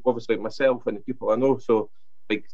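A young man with a broad Scottish accent talks quickly and casually, stacking up fillers and restarting his sentences. His pitch sits at an ordinary middle height. The sound is dull and lo-fi. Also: steady tone, darkish tone. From Scotland. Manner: chatty, many fillers and restarts. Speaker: author guest. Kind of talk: casual radio interview.

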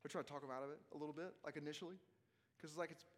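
A man with a Southern US accent answering questions in a casual, halting teaching style, rephrasing as he goes. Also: on the high side, steady tone. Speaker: preaching teacher leading a question session. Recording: long reverb of a large hall.

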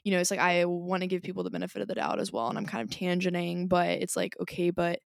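A young woman co-hosts a podcast in casual chat, talking fast in a fairly low, gravelly voice. She rambles animatedly with lots of "like" fillers and calls herself loud and passionate. The recording is dry and of studio quality.

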